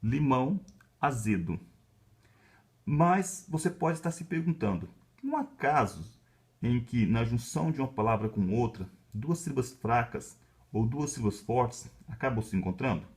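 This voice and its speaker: Gravelly-voiced man explaining a lesson. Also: medium pitch. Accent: Brazilian Portuguese. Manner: calm, measured explaining with frequent "né" tags. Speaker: university professor. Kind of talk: explanatory lecture.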